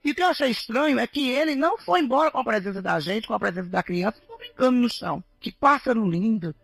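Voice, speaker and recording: Gravelly high-voiced woman preaching. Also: fast, no echo. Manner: animated storytelling, addresses listeners as brothers. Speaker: missionary giving testimony. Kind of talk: preaching testimony to a congregation.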